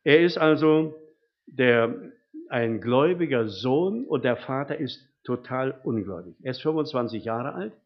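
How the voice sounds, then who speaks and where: A man's voice: mid-range voice, animated, measured pace. An older man preaching a sermon, telling homely stories from his life and often tagging his sentences with rhetorical questions. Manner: folksy storytelling with frequent rhetorical tag questions. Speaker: lay preacher. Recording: dull, muffled recording.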